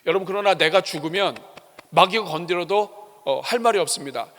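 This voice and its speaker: A man's voice: sits high, fairly quick, fairly bright tone, in a large hall. A male pastor giving a sermon in a church, emphatic and asking the congregation rhetorical questions. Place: church sanctuary.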